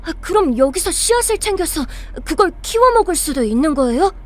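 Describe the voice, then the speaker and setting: A woman playing a naive, eager and sheltered young survivor in an audio drama, with an expressive, wide-eyed delivery. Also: very high-pitched, brisk. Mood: eager, hopeful. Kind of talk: Korean audio drama acting.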